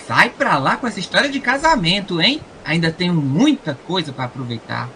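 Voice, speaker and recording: Animated, cheeky teenage boy, voiced by a woman. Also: on the low side, a little fast, slight background noise. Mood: defensive. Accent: Brazilian. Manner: breezy, exaggerated innocence. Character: cheeky, evasive teenage son. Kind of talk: audio drama acting.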